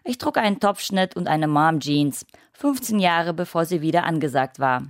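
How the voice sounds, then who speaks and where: A woman in her late twenties, from Russia, reading her own first-person essay as calm, measured, wry radio narration. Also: sits low, no echo, clean studio sound. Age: late 20s.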